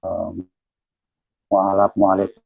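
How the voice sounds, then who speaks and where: A man's voice: low-pitched, completely flat delivery, extremely slow, gravelly, darkish tone. A man preaching earnestly over a call whose phone line breaks up and keeps dropping out. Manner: earnest preaching, quoting scripture. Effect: phone line breaking up, signal dropping out. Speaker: religious guest on a call. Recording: lo-fi call audio that keeps cutting out.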